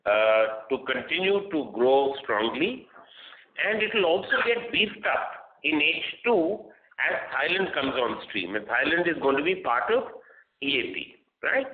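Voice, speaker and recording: A man's voice: on the high side, narrow, tinny audio, slight background noise. A man, a company executive answering investor questions off the cuff, often checking understanding with small tags like "right" and "okay". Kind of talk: unscripted earnings call answers. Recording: echoey, thin phone conference line.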